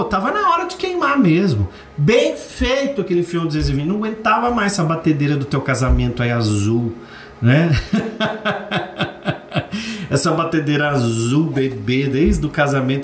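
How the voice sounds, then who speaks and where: A man with a Brazilian Portuguese accent hosting a casual motivational talk. He jumps up in pitch when mimicking complainers and searches for words with chatty fillers. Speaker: host. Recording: roomy echo with faint background noise.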